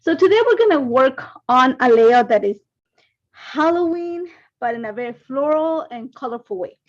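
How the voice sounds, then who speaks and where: A woman's voice: high voice, animated, moderate pace. Chatty woman. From Ecuador. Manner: chatty, rambling, greets viewers by name. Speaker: craft livestream host. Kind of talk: casual livestream craft demo. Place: home craft room. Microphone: phone and laptop livestream setup. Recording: dull lo-fi livestream audio.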